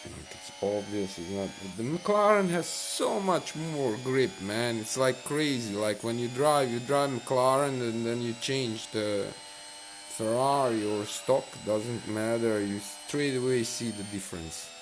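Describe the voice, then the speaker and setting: A man's voice: mid-range voice, a little slow, slight background noise, low-quality recording. A man giving casual, rambling commentary while playing a racing game, full of fillers and restarts. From Bosnia and Herzegovina. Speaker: mobile racing game streamer.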